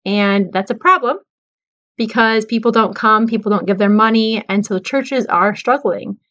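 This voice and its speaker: A woman's voice: medium pitch, lo-fi sound. A woman in her thirties talking earnestly and with worry to her viewers, calling them guys. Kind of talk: casual talk to camera.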